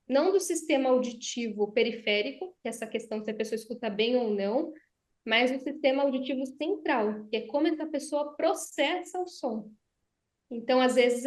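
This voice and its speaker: A Brazilian woman, a speech therapist, explaining voice and breathing techniques in conversation and demonstrating them. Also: high voice. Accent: Brazilian Portuguese. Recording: roomy echo.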